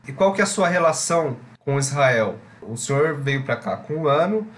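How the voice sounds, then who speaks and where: A man hosting a podcast, reading scripted narration and interviewing a guest in a brisk, upbeat presenter's voice. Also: fairly high pitch, sing-song, a bit bright, slight background noise. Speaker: podcast host. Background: music.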